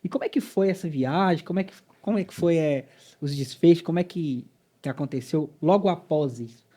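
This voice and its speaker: A podcast host from Minas Gerais with a mellow, darker tone that sits a little high for a man. He talks casually and reacts with short interjections before asking his next question. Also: fairly quick. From Minas Gerais, Brazil. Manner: reacts with short exclamations, then asks follow-up questions.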